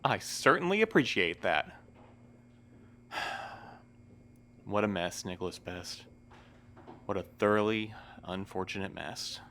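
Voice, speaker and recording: A man's voice: lowish voice, animated, takes it slowly, pauses often, pushed and bright, a little hiss or hum, full character voice. A man playing a formal, weary, wry postmaster in an audio drama, speaking in precise, wordy sentences. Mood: weary, resigned. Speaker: voice actor in a fiction podcast. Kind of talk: scripted audio drama acting.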